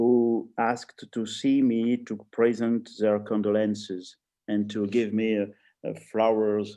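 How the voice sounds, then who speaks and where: A man's medium-pitched voice with a dark, mellow tone and a French accent, at a fairly slow pace. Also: quiet background. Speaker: archbishop. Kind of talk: reading aloud. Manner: halting.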